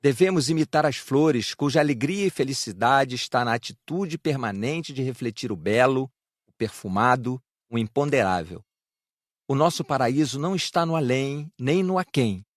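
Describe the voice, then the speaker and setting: Man, animated intonation, measured religious reading, dry studio sound. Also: mid-range voice, no echo. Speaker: audiobook reader of a spiritual lecture. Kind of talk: scripted narration, reflective religious discourse. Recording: music behind the voice. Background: music.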